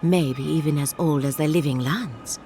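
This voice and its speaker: An actress playing a solemn, caring woman scholar who tends a farm, speaking in a measured, gently formal way. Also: sits low, soft background music. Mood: earnest, grave. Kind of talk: video game character dialogue.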